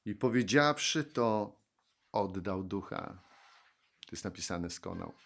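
Slow, fervent male preacher. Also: low-pitched, animated, vocal fry, fairly bright tone. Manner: slow, reflective, swelling into fervent exclamations. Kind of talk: sermon.

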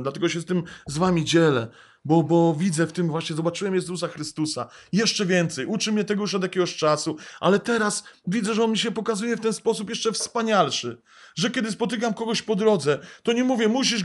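A man's voice: high voice, fairly quick. A man preaching a sermon earnestly, repeating phrases for emphasis, a father of young children. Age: adult, father of young children.

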